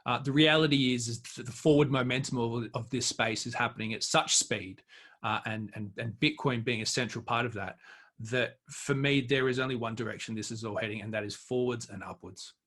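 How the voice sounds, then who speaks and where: A man giving off-the-cuff expert commentary as an interview guest, haltingly searching for words as he goes. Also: medium pitch, fairly bright tone.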